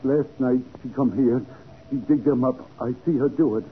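Radio crime drama caretaker, played by a man: foreign accent, halting broken English, pleading and cagey, thin noisy old recording. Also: medium pitch, steady tone, narrow, tinny audio, natural voice. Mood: confessing reluctantly. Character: nervous immigrant male cemetery caretaker, pleading, cagey.

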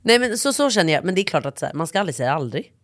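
A woman's voice: lowish voice, very animated, no echo, clean studio sound. A woman co-hosting a podcast in casual chat, blunt and joking, with frequent swearing. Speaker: podcast co-host.

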